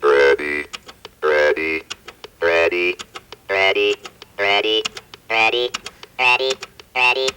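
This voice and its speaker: An electronic speech synthesizer voicing a small robot, halting and mechanical, speaking word by word. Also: low voice, steady tone, bright, forceful tone, faint music behind, exaggerated voice. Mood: flat, mechanical. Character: small programmable talking hobby robot, flatly declaring itself.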